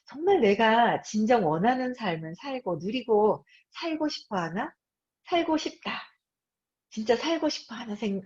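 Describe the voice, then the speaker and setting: A woman's voice: mid-range voice, darkish tone, husky. A woman in her fifties hosts a live-streamed book talk, speaking straight to her audience and acting out her own thoughts and voices. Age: 50s. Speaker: host. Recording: dull lo-fi sound.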